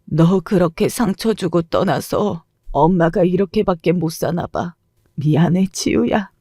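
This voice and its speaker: A woman's voice: on the low side, unhurried, dark tone, dry recording. A woman voicing a frail middle-aged mother who weeps and apologizes over and over to her daughter, recorded dry and close. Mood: tearful. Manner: sobbing, broken apologies.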